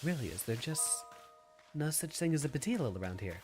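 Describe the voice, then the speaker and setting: Lively stuffy-nosed man streaming a game. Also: a little high, a little fast, music in the background. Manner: easygoing, musing aloud, reads out chat questions. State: stuffy nose, slightly nasal. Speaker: streamer playing a video game. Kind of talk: casual game stream chat, answering viewers.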